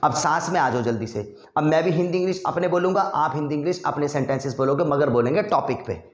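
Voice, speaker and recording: Echoey, higher-voiced male Hindi teacher. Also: fast talker. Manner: repeats drill phrases over and over, addresses viewers as bhai. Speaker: spoken English teacher. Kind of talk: casual Hindi lesson with English drills. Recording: echoey room.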